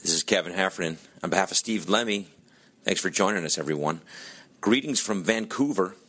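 A man with a very low voice hosts a podcast, rambling through plugs with plenty of ums and uhs. His voice is strained and nearly gone after a run of shows. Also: animated, brisk, sharp tone. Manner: rambling, many fillers. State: losing his voice. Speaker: podcast host. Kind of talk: casual podcast intro and plugs.

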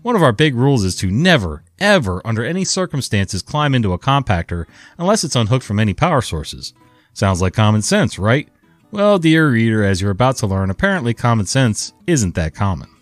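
A man's voice: mid-range voice, fairly quick, no echo, soft background music. A man reading online stories aloud and adding his own casual commentary. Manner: lively, conversational storytelling. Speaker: story narrator.

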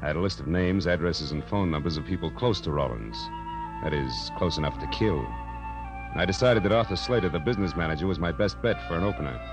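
A man's voice: sits low, animated, fast. A man playing a weary, wry private detective with an American accent and a dry, sardonic delivery in 1940s radio noir style. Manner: dry, sardonic, clipped wisecracking. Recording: vintage 1940s radio broadcast with music.

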